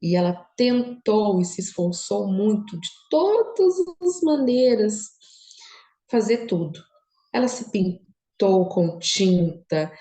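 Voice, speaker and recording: A middle-aged woman sharing a personal Christian testimony in an emotional manner, moving from quiet, low reflection to high, animated bursts. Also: echoey room, rough recording. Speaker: children's book author.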